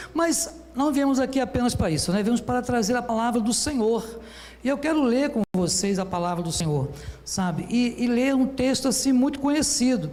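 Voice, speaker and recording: This man's voice sits extremely high in pitch, with lively intonation and very even loudness. Noticeable background noise and audible room echo fill the recording. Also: moderate pace. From Rio de Janeiro state, Brazil (Duque de Caxias). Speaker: pastor. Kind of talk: sermon. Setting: church. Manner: casual, conversational.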